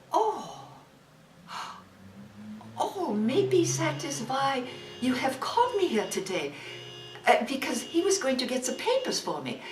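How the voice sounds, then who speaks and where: A woman acting a war widow, speaking broken, halting English and often hunting for words. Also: fairly high pitch. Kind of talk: dramatic monologue. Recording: echoey room, distant mic, faint hiss.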